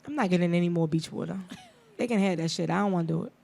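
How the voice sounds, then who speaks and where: A woman's voice: fairly low pitch, rapid-fire, gravelly, a little mellow. A woman in her thirties hosting a radio talk show, chatty and blunt, laughing often. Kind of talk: casual chat.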